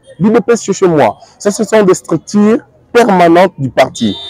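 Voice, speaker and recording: A man's voice, dry sound with no echo. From DR Congo. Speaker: young party candidate; party politician. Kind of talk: interview. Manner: halting. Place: street. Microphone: handheld.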